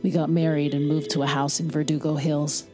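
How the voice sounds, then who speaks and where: Actress for guarded, grieving young wife; low, somber audio-drama narrator. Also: female voice, little pitch movement, fairly quick, over music, lightly acted. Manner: quiet, somber, reflective. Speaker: narrator and lead character.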